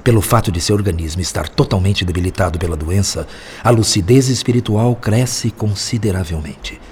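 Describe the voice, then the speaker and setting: An actor playing a wise, patient spirit mentor in a radio drama, speaking in a measured, instructive, solemn way. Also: male voice, low-pitched, a little mellow, slight background noise, natural voice. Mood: solemn instruction.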